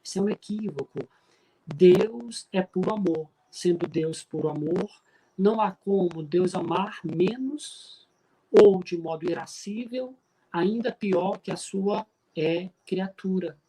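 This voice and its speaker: Husky emphatic man with a Pará accent. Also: high-pitched, warm tone, low-quality recording. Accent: Brazilian Portuguese from Pará. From Pará, Brazil. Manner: emphatic, preacher-like, many filler pauses. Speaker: spiritist speaker. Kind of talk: informal spiritist talk.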